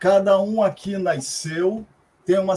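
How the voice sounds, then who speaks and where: A man talking at a very slow pace. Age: 60s. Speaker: psychology professor. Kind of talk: panel talk.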